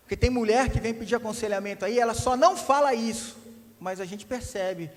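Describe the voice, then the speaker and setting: A man preaching a sermon as a pastor, animated storyteller who acts out the people in his stories. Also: very high voice, brisk, a little hiss or hum. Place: church hall. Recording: long hall reverb.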